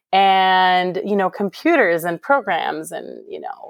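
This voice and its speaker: In a Spanish accent, a woman speaks fairly slowly at a medium pitch. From Venezuela, Caracas. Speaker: tech sales enablement manager. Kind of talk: interview. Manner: animated.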